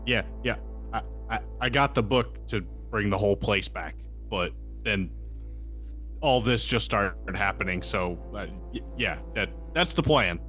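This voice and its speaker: A man as a halting, bright, lowish-voiced game hero. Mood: flustered, earnest. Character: casual, halting, well-meaning character in a fantasy game. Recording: music behind the voice.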